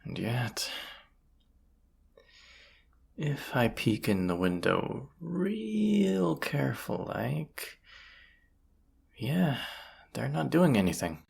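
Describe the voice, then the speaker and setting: A performer voicing a folksy, plain-spoken bandit leader in an audio roleplay, with a gravelly, husky voice and a conversational, wry manner. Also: medium pitch, big pitch swings, very slow, long pauses, a little hiss or hum, heavily acted. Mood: wry, amused. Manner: folksy, conversational, hushed at times. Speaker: character voice actor. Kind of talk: immersive audio roleplay acting, addressing the listener.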